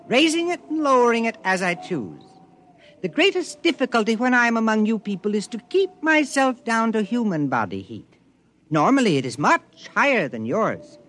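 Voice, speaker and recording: An actor playing a calm alien explorer who glows and eats rock, speaking formally and precisely without contractions, in a radio drama. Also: male voice, very high voice, heavily acted. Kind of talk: 1950s radio drama acting.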